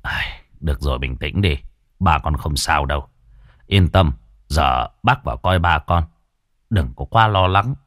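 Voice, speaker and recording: A kind old doctor speaks low and softly, calming a scared child, as a storyteller puts him on. The voice sits well below the narrator's own, hushed and gentle, in a dry storybook reading. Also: male voice, a little slow, long pauses, no echo. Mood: soothing. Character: kind elderly male doctor, calm and worried.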